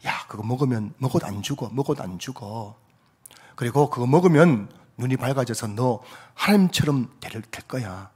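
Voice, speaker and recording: A male pastor voicing the serpent as a sly, coaxing tempter, in a hushed, whispery voice. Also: mid-range voice, animated, normal speed, hardly any pauses, husky. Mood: coaxing whisper.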